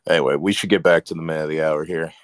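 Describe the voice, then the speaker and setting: A man's voice: extremely low pitch, fairly even intonation, racing, crowd noise. A man hosting casual comedic commentary with a dry, wry manner. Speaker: host.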